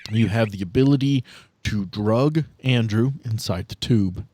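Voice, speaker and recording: A man's voice: lowish voice, a little slow, warm tone, no echo. A man narrating a casual tabletop game as game master, with dry, teasing banter.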